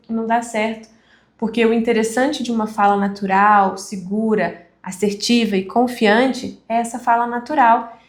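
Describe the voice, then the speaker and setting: A woman instructor giving a live online class on speaking, conversational with deliberate pauses. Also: on the high side, reverberant. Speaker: communication instructor.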